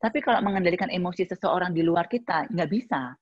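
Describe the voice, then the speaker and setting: Speaking quickly in a voice on the low side, a woman gives a casual, reflective talk answering a listener's question. She is conversational, leaning on many everyday examples and fillers, and the audio is dull.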